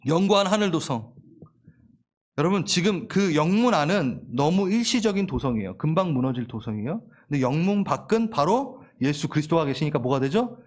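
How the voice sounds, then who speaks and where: A middle-aged man preaching a sermon as pastor, animated and playful, acting out quoted lines and laughing at his own jokes. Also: fairly high pitch, fairly quick.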